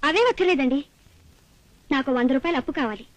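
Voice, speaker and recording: An actress playing a self-assured young college student who speaks politely and composedly, on an old film soundtrack. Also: female voice, high voice, lively intonation, quick pace, no echo, low-quality recording. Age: young adult.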